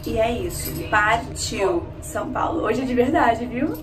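An excited, emotional woman talking straight to her viewers in a casual vlog, filmed on a phone out on the street and inside a building. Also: fairly high pitch, a little slow, noisy background. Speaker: vlogger. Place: street, car and studio building.

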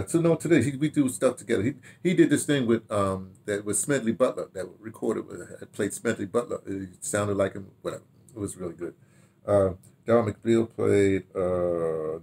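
Low-voiced older American man, rambling recollections. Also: creaky, dark tone. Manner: rambling, halting delivery, repeating words, checking notes aloud. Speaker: radio drama producer recalling past productions. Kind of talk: casual reminiscing to camera. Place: small book-lined room at home, indoors.

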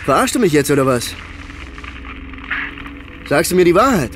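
Restless, brooding ex-soldier boyfriend. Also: male voice, on the high side, big pitch swings, normal speed. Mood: alarmed, shouting. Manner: colloquial, hesitant, brooding. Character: restless, evasive ex-soldier boyfriend, unsure of himself. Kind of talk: naturalistic audio drama dialogue. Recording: radio play with noticeable background noise.

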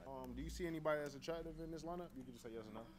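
A man's voice: a little high, racing, a loud crowd. A man hosting a dating show in a white studio, speaking into a handheld mic and asking questions in a playful, slangy way. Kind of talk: casual interview.

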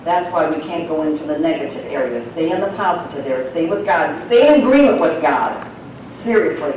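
A woman's voice: on the low side, darkish tone, slight background noise. A woman teaching the Bible to a church congregation in a folksy, chatty way, laughing often. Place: church sanctuary. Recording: echoey church hall from far off.

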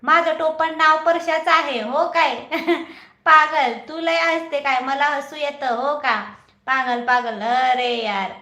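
Woman livestream host, high bright voice, unhurried, teasing, laughs a lot, echoey room. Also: steady tone. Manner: chatty, teasing, laughs often. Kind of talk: casual live chat reading viewer comments.

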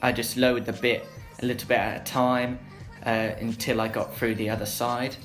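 Young man, flat easygoing workshop narration. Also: mid-range voice, moderate pace. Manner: plain, easygoing, frequent "uh" fillers. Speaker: woodworking channel host. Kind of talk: voice-over narration of a workshop build. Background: background music.

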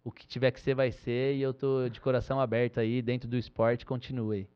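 A man who is a podcast guest and former basketball player, chatting casually and animatedly, laughing often and acting out what he shouts from the stands. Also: mid-range voice, little pitch movement, brisk, clear, resonant tone. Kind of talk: casual chat. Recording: slightly dull sound.

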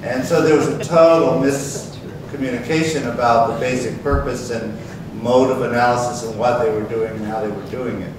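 A man's voice: mid-range voice, steady tone, moderate pace, hardly any pauses. Brief: male panelist, storytelling, midrange voice, room hum. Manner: storytelling, acts out quoted speech. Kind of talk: panel anecdote. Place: university seminar room. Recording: very echoey room, distant, hum.

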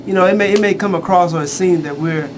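A man's voice: high voice, fast talker, noisy background. A man teaching from the Bible on a church radio show, earnest, restarting his phrases often. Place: small radio studio. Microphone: handheld mic.

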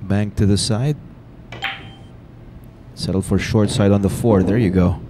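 A man co-commentating a pool match, calmly reading each shot and position play. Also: on the low side, measured pace. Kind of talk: live sports commentary. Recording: noisy live stream audio.

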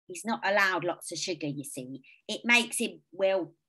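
A woman's voice: lowish voice, expressive, normal speed, sharp tone, husky, heavily acted. A woman voicing an earnest child who explains things to grown-ups. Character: child narrator, older sibling.

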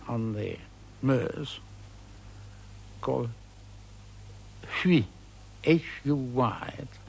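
A man hesitantly tells an anecdote with many pauses and fillers, in an old 1960s archive recording. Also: mid-range voice, vocal fry, darkish tone, slight background noise, rough recording. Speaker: interviewee recalling events. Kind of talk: anecdotal storytelling.

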